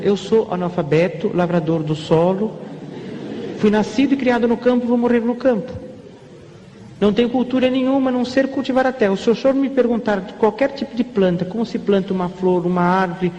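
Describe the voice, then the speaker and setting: A man's voice: high-pitched, moderate pace, warm tone, close to an everyday voice. A man with a Brazilian Portuguese accent quoting a humble old farmer preacher, meek and plain-spoken. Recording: dull reverberant hall with faint noise.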